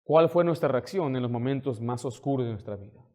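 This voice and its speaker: A man preaching a sermon as pastor in a church, telling personal stories with lively, animated delivery. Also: medium pitch, fairly quick.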